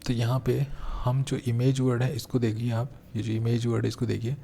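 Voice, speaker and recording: A male English teacher giving an exam-prep grammar lesson, explaining step by step and slowing down to read example sentences aloud. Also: medium pitch, completely flat delivery, vocal fry, mellow, a little hiss or hum.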